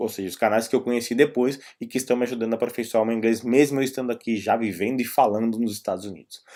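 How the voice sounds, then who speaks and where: At a very fast pace with hardly any pauses, a man talks in a medium pitch with a dark, mellow tone and fairly even intonation. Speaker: YouTuber, tech and programming content creator. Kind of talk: casual vlog talk.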